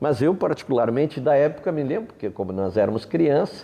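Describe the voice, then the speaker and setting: Dark and mellow in tone, a man's voice has vocal fry and very wide pitch swings. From southern Brazil, Rio Grande do Sul (Bagé). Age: 60s. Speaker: pastor. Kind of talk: interview, personal reminiscence.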